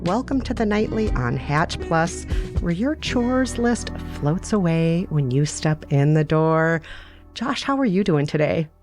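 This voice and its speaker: A woman co-hosting a podcast in relaxed, casual conversation, upbeat and supportive. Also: on the low side, measured pace, music in the background. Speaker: podcast co-host.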